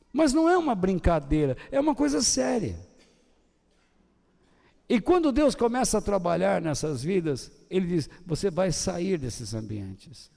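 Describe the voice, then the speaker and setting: Animated older Brazilian preacher, gravelly. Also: male voice. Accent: Brazilian Portuguese. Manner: animated, swinging between loud high bursts and low soft trailing ends. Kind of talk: sermon. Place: church hall. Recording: long church hall reverb.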